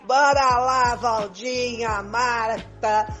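A woman's voice: on the high side, steady tone, extremely slow, fairly bright tone, muffled recording, faint music behind. An older Brazilian woman playing a sassy, scornful lady in an amateur radio soap.

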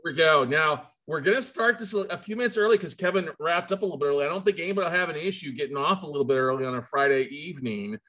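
Online event host, American man, forties, forceful bright tone, slightly high, effusive and chatty, jokes as he rambles. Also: very fast, hardly any pauses. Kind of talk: casual, upbeat hosting. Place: indoors, video call with virtual background.

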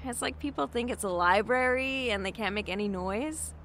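A woman playing a shy, friendly young bookstore worker in an audio drama, soft-spoken and hesitant. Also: on the high side, moderate pace, slight background noise.

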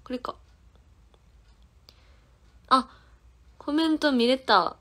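This is a young woman in her twenties, an idol singer with a Kansai accent, hosting a casual phone livestream. Her voice sits high and a bit bright, and she speaks extremely slowly, giggling as she answers viewers' comments one after another.

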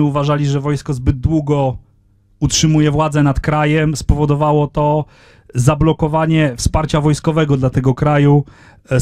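A man in his thirties gives a conference talk in a lecture room, holding the microphone close. His voice sits a bit high and stays flat, with little rise and fall. He speaks in a measured way, pausing often, and the sound is dry with little room echo. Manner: measured, frequent hesitations. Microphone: handheld microphone.

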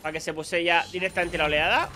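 A man commentating his own gameplay live, chatty and excitable, taunting enemies aloud. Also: a little high, quick pace, a little hiss or hum. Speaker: gaming YouTuber.

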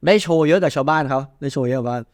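A man hosting a movie news show in casual chat, blunt, slangy and excitable. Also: medium pitch, rapid-fire, dry recording, studio quality.

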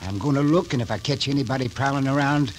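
An actor playing a suspicious old cemetery caretaker, drawling and stubborn, in a 1940s radio drama. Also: male voice, medium pitch, fast, close to an everyday voice. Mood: gruff. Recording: old radio recording with faint hiss.

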